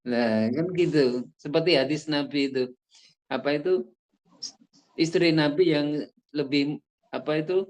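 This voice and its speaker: Measured man explaining calmly. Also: fairly high pitch, poor audio. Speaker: study session co-speaker. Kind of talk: casual religious study talk.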